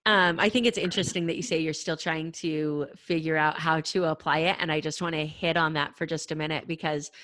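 A woman hosting an interview podcast and coaching pitch, talking in an upbeat, chatty way with casual fillers. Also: steady tone, fairly quick, hardly any pauses, a bit bright, dry recording.

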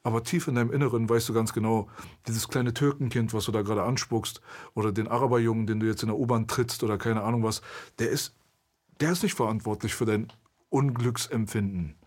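A man's voice: fairly low pitch, steady tone, brisk, a little mellow. A man from Berlin, a guest in a candid conversation, telling his story in a blunt, intense way. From Berlin, Germany.

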